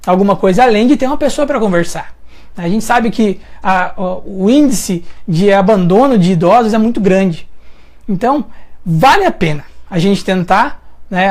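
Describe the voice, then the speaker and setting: Her voice sits a little high with a darkish tone, and her Brazilian Portuguese accent marks her as a woman from Brazil. In a casual live chat she reads viewers' questions and answers them directly, friendly and informal, often hesitating while she thinks aloud.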